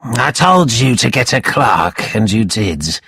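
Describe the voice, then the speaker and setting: A cunning, spiteful schemer, as a man reads him, giving orders in a sly, mocking tone. He speaks slowly with a lively rise and fall, in a dry close sound. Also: medium pitch, slightly rough, no echo, heavily acted.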